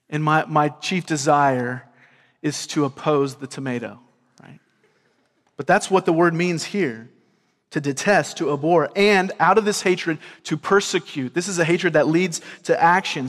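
Earnest Southern preacher in a reverberant hall. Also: male voice, fairly high pitch. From grew up in California and Georgia. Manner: earnest, repeats words, asks the crowd "right?". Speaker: pastor. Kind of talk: sermon.

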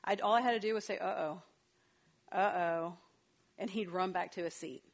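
A woman's voice: medium pitch, fast. A woman counselor giving a talk on parenting, conversational and storytelling, with fillers and asides. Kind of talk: parenting talk with personal anecdotes.

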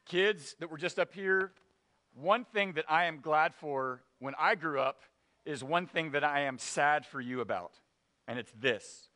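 Bright-voiced man preaching a sermon. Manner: animated storytelling, drops low for serious points. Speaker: pastor.

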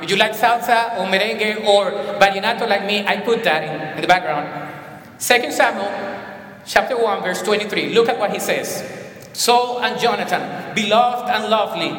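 A man with a Colombian accent preaching a sermon in an animated way, with emphatic repetitions. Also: sits high, normal speed. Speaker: pastor. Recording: echoey hall with long reverb.

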